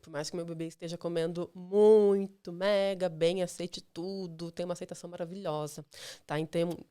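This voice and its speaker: A woman's voice: lowish voice, fairly even intonation, moderate pace, mellow, clear, resonant tone. A woman with a Brazilian Portuguese accent, a child nutritionist guest, who explains patiently and reassuringly and often ends her points with "tá". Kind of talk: explanatory interview talk.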